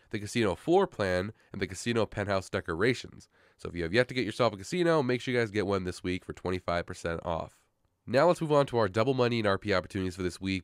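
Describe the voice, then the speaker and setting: A man with a low, sick, hoarse voice rattles off a gaming news rundown at a quick clip. His pitch swings a lot as he talks, and the sound is dry and close with no room echo, yet still clear. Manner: fast, upbeat despite being sick. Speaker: gaming channel host.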